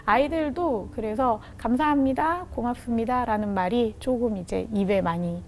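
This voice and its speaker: A woman's voice: a little high, moderate pace, slight background noise. A woman in her forties, a children's home director, telling her story as a guest on a Christian talk show and acting out the children's words. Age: 40s.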